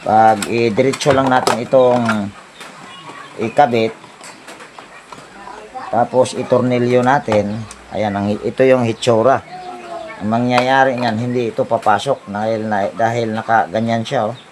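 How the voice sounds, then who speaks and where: A man's voice: medium pitch, steady tone, a little slow, pauses often, background noise. A man giving a casual step-by-step appliance repair tutorial, thinking aloud to himself as he works. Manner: talks to himself while working, thinking aloud. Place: outdoor home service job with roosters and birds nearby.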